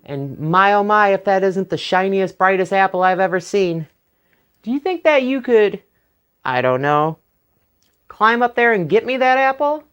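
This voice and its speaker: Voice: medium pitch, animated, moderate pace, a bit bright, clean tone, dull audio, pitched above the performer's own voice, natural voice. A storyteller voicing Stingy Jack, a crafty, stingy trickster man who talks in a sly, wheedling way, in a told folktale. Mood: scheming. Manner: wheedling, sly, feigning innocence. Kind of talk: oral folktale telling.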